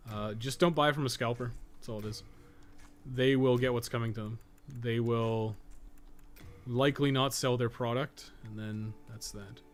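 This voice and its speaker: A man's voice: medium pitch, steady tone, moderate pace. A man streaming a game, thinking aloud and chatting in a casual, rambling way, muttering to himself and swearing now and then.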